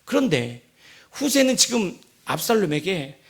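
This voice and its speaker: A man preaches in a church, keeping it conversational and checking in with his listeners with questions. His voice sits high and carries a gravelly roughness. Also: very animated, measured pace, a bit bright. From Jeolla province, Korea. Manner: conversational preaching, asks the congregation questions often. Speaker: pastor. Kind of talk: sermon. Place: church sanctuary.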